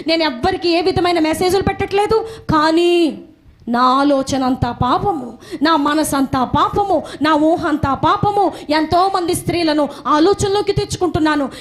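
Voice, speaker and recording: A woman preaching a sermon emphatically, repeating phrases for stress. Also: extremely high pitch.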